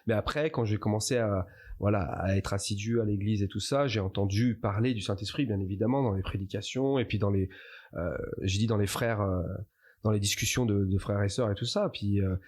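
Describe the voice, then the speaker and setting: A church member appears as a podcast guest, offering personal testimony in a fairly low, brisk, darkish voice. He hesitates and often repeats himself while hunting for the right words.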